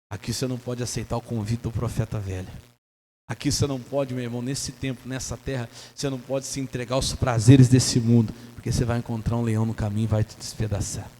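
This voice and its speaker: A Brazilian man preaching a sermon as pastor. He swings between soft and loud passages and mimics church members in his own voice. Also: mid-range voice. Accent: Brazilian Portuguese. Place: church sanctuary. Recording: long church reverb, faint hum.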